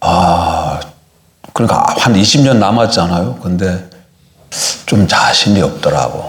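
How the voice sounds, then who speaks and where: Very slow, lively-intoned speech with long, frequent pauses, very even loudness and audible room echo. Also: man, very deep, low pitch for a man. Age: 60s. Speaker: pastor. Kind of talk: sermon.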